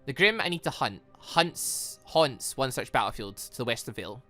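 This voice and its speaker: A man voicing a serious, guarded young female hunter in a visual novel, measured and matter-of-fact. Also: mid-range voice, lively intonation, bright, forceful tone, faint music behind. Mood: serious, subdued. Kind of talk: visual novel dialogue reading.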